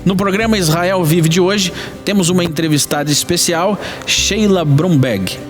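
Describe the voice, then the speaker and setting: A man's voice: sits high, normal speed, soft background music. A man hosting an interview show, with a formal, welcoming presenter's manner. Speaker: host.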